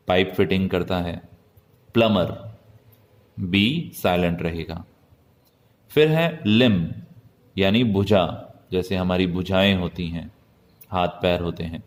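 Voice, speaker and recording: A man from India teaches English in a slow, deliberate way, spelling each word out letter by letter. His voice sits fairly low. The recording carries a long reverb, as if from a hall. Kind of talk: classroom lesson.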